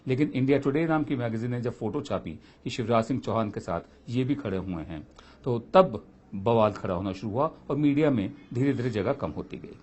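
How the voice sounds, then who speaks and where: A man's voice: mid-range voice, fairly quick, darkish tone, highs cut off. A man giving a spoken commentary, impassioned and full of rhetorical questions.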